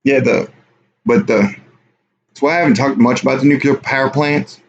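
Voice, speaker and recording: A man's voice: mid-range voice, fairly even intonation, moderate pace. Rambling man on a lo-fi livestream. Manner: rambling, offhand, reads chat aloud. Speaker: livestream host. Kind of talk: casual live stream chat with viewers. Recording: dull lo-fi stream audio with faint hiss.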